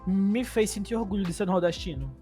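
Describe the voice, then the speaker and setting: Paraiba guy on a podcast, chatty and animated, laughs a lot, soft music under it. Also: high voice, fairly quick. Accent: Paraíba Northeastern Brazilian. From Paraíba, Brazil. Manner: animated storytelling, laughs often. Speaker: podcast co-host. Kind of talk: casual chat.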